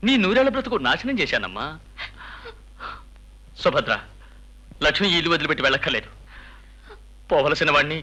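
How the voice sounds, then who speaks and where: An actor playing a remorseful older father who blames himself in a dubbed film, with a husky voice. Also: fairly high pitch, big pitch swings, a little fast, pauses often, bright, forceful tone, full character voice, poor audio. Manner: grieving, remorseful. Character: remorseful older father, broken and self-blaming.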